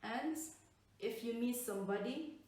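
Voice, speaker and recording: Slow-speaking woman in an echoey room. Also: a little high, darkish tone, far from the mic. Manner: slow, careful, repeats phrases with English translations. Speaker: language teacher. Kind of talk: slow beginner language lesson.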